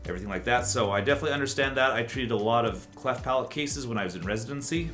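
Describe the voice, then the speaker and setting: Male orthodontist, medium pitch, casual Q&A explainer, methodical and reassuring, faint music. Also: rapid-fire, a bit bright. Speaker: orthodontist answering viewer questions.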